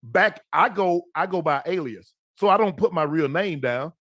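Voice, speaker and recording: Man in his fifties, high voice, podcast host spinning casual stories with emphatic repeats. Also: lively intonation, moderate pace, fairly bright tone, dry recording, dull audio. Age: 50s. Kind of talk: animated casual storytelling.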